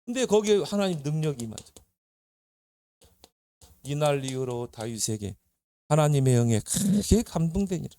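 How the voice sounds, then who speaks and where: Guy pastor preaching to youth group, chatty storyteller, keeps asking the kids questions, voice a bit high. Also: normal speed, pauses often. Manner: lively storytelling, acting out Bible characters; conversational preaching, asks listeners questions. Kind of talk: sermon to youth.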